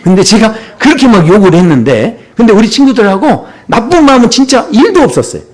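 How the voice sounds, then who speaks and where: A male pastor gives a Sunday sermon, his voice sitting a little high for a man and moving in a lively, swinging pitch. He speaks conversationally and with humor, frequently stopping for brief asides to the congregation.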